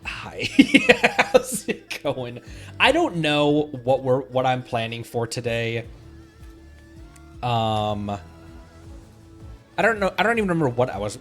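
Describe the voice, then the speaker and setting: A young man talking casually through a game stream, wandering between thoughts and tossing out puns with frequent laughter. His pitch bounces around animatedly. Soft game music plays quietly behind him. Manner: rambling, punning, laughs often. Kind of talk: casual gaming livestream chat.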